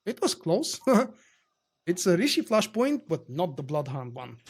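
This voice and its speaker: A man's voice: sits high, very animated, unhurried, husky. Bulgarian man chatting on a game stream. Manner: chatty, reads and answers viewer chat. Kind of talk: casual live-stream chat.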